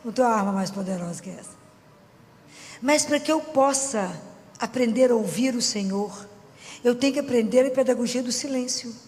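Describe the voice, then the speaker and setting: A woman's voice: a little high, fairly quick, a little mellow. Chatty Minas Gerais woman preaching in a hall. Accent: Minas Gerais Brazilian Portuguese. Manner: chatty, keeps asking the audience for agreement. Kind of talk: conversational sermon. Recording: long hall reverb with faint music.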